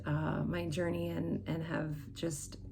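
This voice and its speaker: Audible room echo follows a woman as she talks at a fairly slow pace. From Ohio, US Midwest. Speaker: speech therapist who stutters. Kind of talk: personal testimony. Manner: stuttering, with repetitions.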